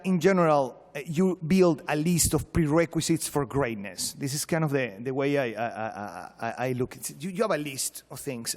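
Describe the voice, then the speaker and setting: Male Venezuelan professor, Spanish-accented English, slightly high pitch, emphatic and wry conference delivery, reverberant hall. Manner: emphatic, repeats words, rhetorical questions. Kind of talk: informal conference speech, humorous and exhortatory. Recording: echoey hall, long reverb.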